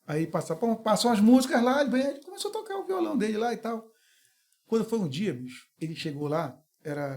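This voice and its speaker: Um pastor brasileiro contando histórias num bate-papo descontraído, imitando as vozes das pessoas com animação. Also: male voice, on the high side. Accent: Brazilian. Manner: animated, acts out voices in anecdotes. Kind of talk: casual storytelling chat.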